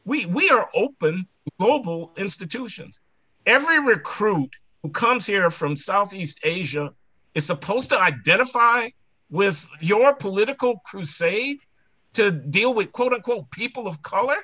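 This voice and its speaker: Guy ranting on a panel, bright tense voice, kinda high, dry sound. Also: animated, measured pace, no room sound. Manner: emphatic, ranting, many restarts. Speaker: panel speaker. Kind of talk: impassioned panel discussion.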